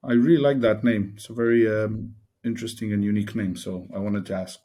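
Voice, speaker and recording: A man's voice: lowish voice, fairly even intonation, fairly quick, dark tone. A man hosting a podcast, asking questions in a casual, chatty interview style.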